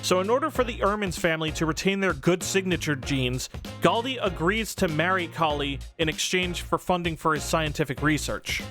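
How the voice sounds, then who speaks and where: A man with a high, lively voice delivers casual scripted game commentary. His pitch swings widely and his manner is irreverent and informal, with swearing. Soft music plays behind him. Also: moderate pace. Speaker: video game reviewer. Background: background music.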